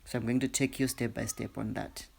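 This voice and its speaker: A man presents a tutorial as host, in a medium-pitched voice. He explains an app step by step to his viewers. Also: level tone, a little fast, creaky, darkish tone, slightly rough.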